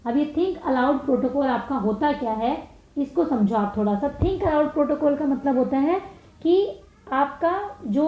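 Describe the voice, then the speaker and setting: A woman with an Indian accent, a teacher working through exam questions, reading each one out slowly and then explaining it quickly. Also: sits high. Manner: reads English slowly, explains fast in Hindi. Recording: echoey dull room sound.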